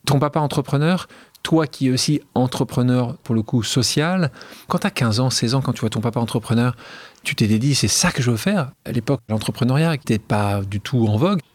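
A man's voice: medium pitch, animated, brisk, no room sound. A man hosting an interview, asking long, leading questions in a talkative way. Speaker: radio/podcast host. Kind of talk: interview conversation.

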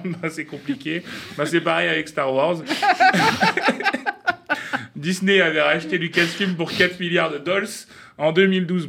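A man's voice: on the high side, gravelly, a bit bright. A young man giving a scripted, playful radio column, mock-pompous and laughing at his own jokes.

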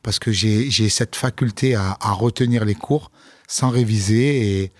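A man's voice: fairly low pitch, measured pace, dry recording. A man, a comedian, talking casually in an interview, telling stories with fillers and restarts. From France. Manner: relaxed storytelling, many fillers and restarts. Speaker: comedian guest.

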